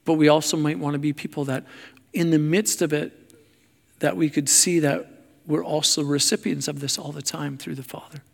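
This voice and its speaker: Male preacher, slightly high voice with heavy fry, halting and self-effacing sermon delivery. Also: fairly even intonation. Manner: halting, searching for words, self-deprecating. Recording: long hall reverb.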